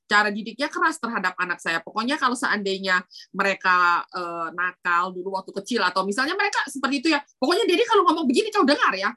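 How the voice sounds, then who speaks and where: A woman's voice: mid-range voice, bright, forceful tone. A middle-aged woman guest talking casually, explaining patiently with many fillers. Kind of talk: casual conversation.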